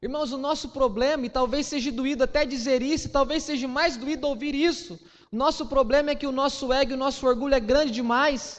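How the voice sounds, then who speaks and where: Here a man talks at an extremely high pitch. His pace is fairly quick and his intonation fairly even. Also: hardly any pauses. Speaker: pastor. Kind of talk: sermon.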